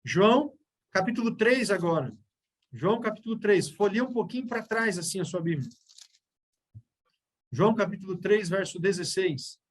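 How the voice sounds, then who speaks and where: A man's voice: sits high, animated, normal speed, pauses often. A man with a Brazilian Portuguese accent teaching a Bible study, explaining step by step and often checking in with his listeners.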